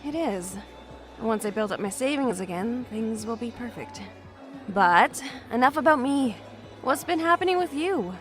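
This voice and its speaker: A woman's voice: on the high side, lively intonation, unhurried. Casting: woman in her twenties, overworked but content homebody, hesitant and understated, naturalistic drama dialogue over music. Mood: casual, content. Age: 20s.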